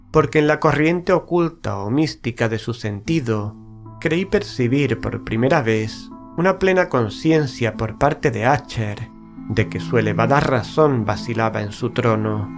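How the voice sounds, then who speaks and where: A man narrating a literary horror story in a measured, solemn, carefully enunciated dramatic style. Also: medium pitch. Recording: background music under studio narration. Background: music.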